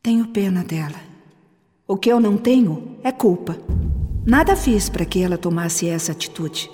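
A woman's voice: medium pitch, lively intonation, moderate pace, warm tone, close to an everyday voice. An actress with a Brazilian accent playing a cold, resentful young woman justifying herself in an introspective radio drama monologue. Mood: defensive, subdued. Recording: long reverb, music behind.

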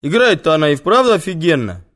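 Brief: male reader as a brusque young guy, loud and a notch higher, lively pitch. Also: fast talker. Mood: defensive. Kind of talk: audiobook character voice.

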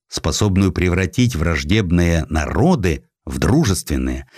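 A man narrating a historical essay as an audiobook, with an expressive, theatrical storytelling manner. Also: on the low side, no room sound, studio quality.

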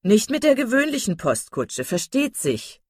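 A woman's voice: sits low, lively intonation, moderate pace, husky, dry recording, clean studio sound. A woman voicing a silly, vain young woman who talks in an affected, simpering way.

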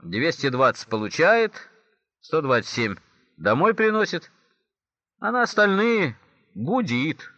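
A man plays a weary wife from a spoken joke, who dryly mocks her husband. The voice is pitched lower and has a bright edge. The recording is dry and lo-fi. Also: big pitch swings, slow, pauses often, no echo, exaggerated voice. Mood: dry mockery. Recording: dull lo-fi recording.

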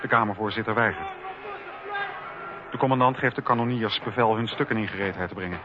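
A man's voice: fairly low pitch, fairly even intonation, brisk. A man narrating history from a script for a documentary radio play. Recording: dull radio recording with faint music.

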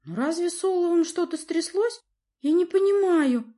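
A woman's voice: animated, moderate pace, dark tone. A woman voicing a pleading teenage lioness princess. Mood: bewildered. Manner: pleading, breathless, high-strung.

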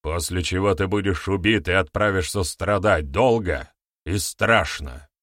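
A man voicing a booming, grave male tribal elder who speaks solemnly. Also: sing-song, slow pace, gravelly, breathy edge, dry recording, studio quality, full character voice. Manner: solemn and loud.

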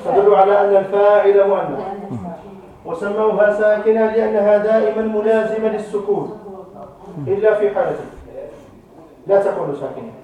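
A man's voice: high voice, brisk, long pauses, phone-quality sound, crowd noise. A man teaching a grammar class. He quizzes the students and repeats the key terms. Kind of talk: classroom lesson. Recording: echoey classroom, mic far off.

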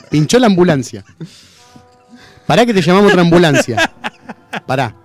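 A young Argentine man with a Rioplatense accent spins an anecdote on a radio show, his voice sitting high and swinging all over the place. He talks casually and laughs often, packing his lines with slang, while faint music plays softly behind him. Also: slow. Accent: Argentine Rioplatense Spanish. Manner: animated, laughing, heavy slang. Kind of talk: casual storytelling. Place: radio studio.

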